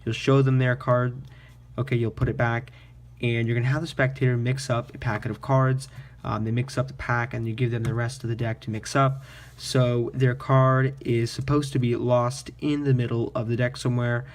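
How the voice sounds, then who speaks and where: A man's voice: medium pitch, flat delivery, moderate pace. A man presenting a card trick tutorial in casual magician patter, explaining informally step by step.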